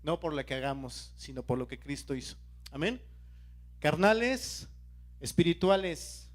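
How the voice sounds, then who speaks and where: A man's voice: fairly high pitch, lively intonation, a little slow. A man preaching a sermon as a lay preacher, who questions his congregation and keeps calling out to them. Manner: questions the congregation and urges them to stay alert.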